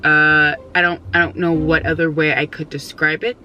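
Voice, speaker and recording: A woman in her twenties chatting casually to camera, answering viewer questions with jokes, lots of "like" and sudden loud outbursts. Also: deep voice, little pitch movement, moderate pace, highs cut off, slight background noise. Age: 20s. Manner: playful, laughs often, jokey and oversharing; bursts into loud exclamations.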